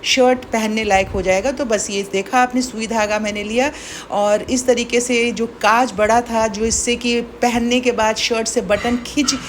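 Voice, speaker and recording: A woman's voice: on the high side, slight background noise. A middle-aged woman narrating a casual daily vlog in a chatty, explanatory way. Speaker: vlogger and radio broadcaster.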